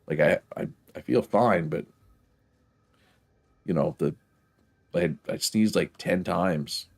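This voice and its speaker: A man's voice: sits low, takes it slowly, gravelly. A man streaming a factory-building game, thinking aloud casually with a stuffed-up nose and frequent chuckles. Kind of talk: casual gameplay commentary.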